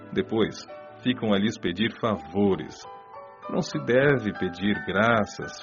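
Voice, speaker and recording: A man playing a patient, earnest spirit mentor in a radio drama, speaking in a measured, didactic and gently admonishing way. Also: on the low side. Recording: dull, muffled audio under clear music. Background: music.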